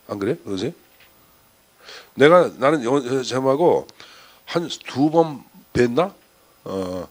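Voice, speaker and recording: Lively male exam lecturer. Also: medium pitch, breathy edge. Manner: chatty, rhetorical questions to students, lively asides.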